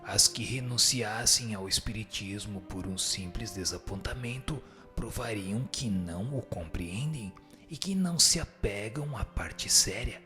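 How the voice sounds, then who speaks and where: A man's voice: fairly low pitch, animated, measured pace, music in the background. A man with a Brazilian accent voicing a solemn spirit who gives stern moral teaching in a scripted radio drama. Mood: solemn, admonishing. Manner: solemn, didactic.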